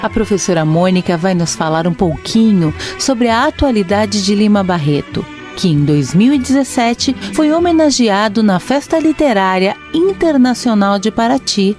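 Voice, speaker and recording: A Brazilian woman presents a radio programme from a script. Her voice is soft-edged and mellow, set over light background music. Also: mid-range voice, big pitch swings, a little slow. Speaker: radio host. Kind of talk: scripted radio introduction and interview.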